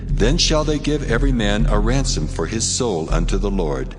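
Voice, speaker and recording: A man playing a solemn, commanding God in a dramatized scripture reading, with booming biblical narration. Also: sing-song, normal speed. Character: God of the Bible, solemn, commanding male deity. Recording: long reverberant hall effect. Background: music.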